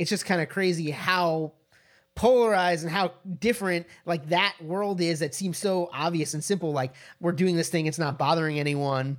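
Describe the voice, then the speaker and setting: Recorded very cleanly against a silent background, a man speaks at a moderate pace with a high pitch and ordinary pitch variation. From New York. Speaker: podcast co-host. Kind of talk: casual chat.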